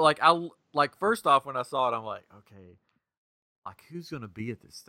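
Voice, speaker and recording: A man with a normal speaking voice and fairly high pitch talks at a moderate pace with lively intonation, heard in a dry, close sound with no echo. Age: 40s. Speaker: podcast host. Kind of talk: casual chat.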